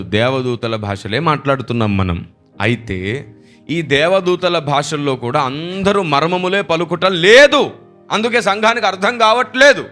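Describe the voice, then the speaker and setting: A man's voice: fairly high pitch, sharp tone. A man preaching a sermon, emphatic and repeating phrases for stress. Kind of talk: Telugu sermon.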